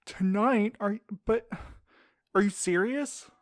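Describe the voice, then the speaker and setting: An actor in an audio drama playing a tender, grieving man who speaks haltingly and pleads with his lover. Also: high-pitched, dry recording, clean studio sound. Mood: anxious.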